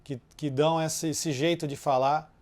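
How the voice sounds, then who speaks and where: A man's voice: a little high, fairly even intonation, normal speed, darkish tone. A man interviewing a guest in loose, chatty conversation, dotting his talk with questioning tags and fillers.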